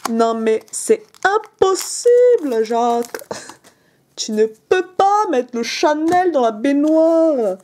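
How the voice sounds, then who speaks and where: A woman voicing a haughty, posh bourgeois wife, with a drawn-out, affected upper-class way of speaking. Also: high voice, sing-song, exaggerated voice.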